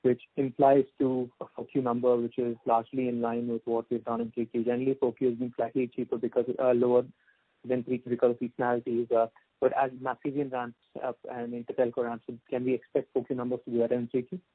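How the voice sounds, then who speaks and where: Even-toned analyst on phone line. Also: male voice, mid-range voice, fast talker, no room sound. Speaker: analyst caller. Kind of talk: asking questions on an earnings call. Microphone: telephone. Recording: tinny, dry phone line.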